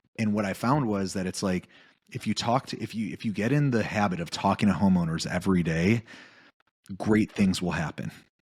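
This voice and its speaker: Over a silent background in a very clean recording, a man talks at a fairly quick pace, his fairly low pitch showing ordinary variation. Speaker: real estate team leader. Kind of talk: interview. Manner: fast; animated.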